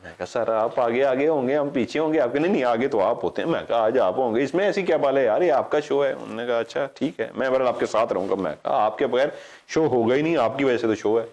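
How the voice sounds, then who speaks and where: A man's voice: medium pitch, fast. A middle-aged man, casually telling a story as a paranormal show host, acting out the dialogue and stopping to correct himself. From Pakistan. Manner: animated, acts out quoted dialogue, digresses and corrects himself.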